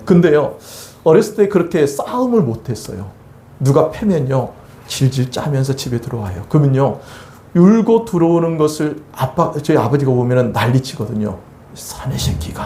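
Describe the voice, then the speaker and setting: A middle-aged man preaching a sermon as pastor, telling stories and swinging between soft, slow lines and emphatic ones. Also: on the high side, slight background noise. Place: church sanctuary. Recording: echoey church sanctuary.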